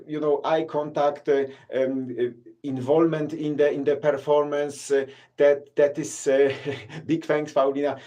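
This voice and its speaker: A Polish tour guide talking casually to his live-stream viewers in accented, halting English full of fillers and restarts. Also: a little high, warm tone. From Poland. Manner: halting, many fillers and restarts, non-native grammar. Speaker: city tour guide and vlogger.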